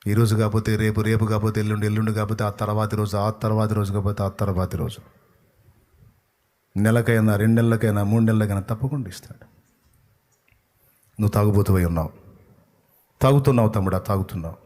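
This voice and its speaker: A male pastor with a Telugu accent preaching an evangelical sermon, scolding and urging his listeners, swinging between loud outbursts and hushed lines. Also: fairly low pitch, steady tone, quick pace, pauses often.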